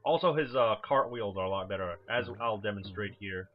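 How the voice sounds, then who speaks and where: Here a man with a lowish voice speaks fairly quickly, rambling casually through video game commentary as a let's player who swears freely. Game music plays behind him, and his lo-fi mic sounds dull.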